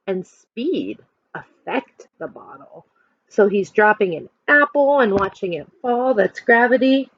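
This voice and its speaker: A woman's voice: mid-range voice, no room sound, lo-fi sound. A woman teacher reading a children's picture book aloud expressively, stopping to explain and put questions to young listeners.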